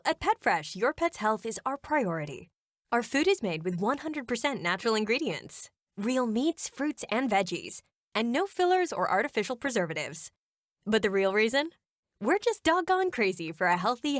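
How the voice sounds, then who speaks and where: A woman's voice: a little high, very animated, moderate pace, no room sound, studio quality. A woman performing an upbeat, friendly pet food commercial announcer with a bouncy, polished sales delivery. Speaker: commercial voice-over artist. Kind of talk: scripted pet food advert read. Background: music bed.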